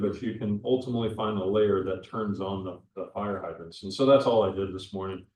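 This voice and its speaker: A man's voice: low-pitched, darkish tone, slight background noise. A man speaking as a county official at a community meeting, explaining things step by step with frequent restarts. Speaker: county public works official presenting. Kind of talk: public meeting presentation. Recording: echoey room, voice from far off the mic.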